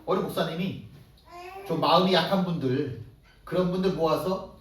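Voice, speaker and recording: A male pastor preaching a sermon in a lively way, acting out the voices of ordinary people as he goes. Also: a little high, normal speed. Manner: animated, acts out everyday voices in quotes. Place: church sanctuary. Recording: echoey church hall, distant mic.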